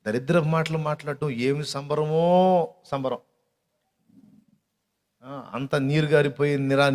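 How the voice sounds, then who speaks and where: A man's voice: mid-range voice, darkish tone. Emphatic male pastor preaching a sermon. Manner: emphatic, addresses the congregation directly with questions.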